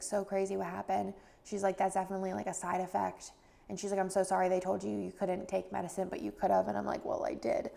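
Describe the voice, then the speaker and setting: Gravelly, flat-voiced young woman vlogger. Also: mid-range voice. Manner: chatty and rambling, many fillers. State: stuffy and congested. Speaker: planner vlogger. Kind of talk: casual voice-over chat.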